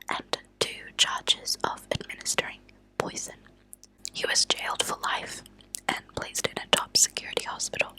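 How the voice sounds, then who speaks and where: Her whole delivery is a breathy whisper with a crisp, bright edge. As an ASMR host, she reads true crime stories in a soft, deliberate way. The recording is lo-fi and close-miked.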